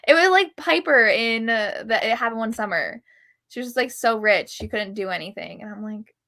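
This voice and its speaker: A woman with a bright, slightly crackly voice hosts a casual book livestream. She talks candidly and gives firm opinions in a conversational way. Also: a little high, expressive, brisk. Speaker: book reviewer and livestream host. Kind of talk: casual chat about books on a live show.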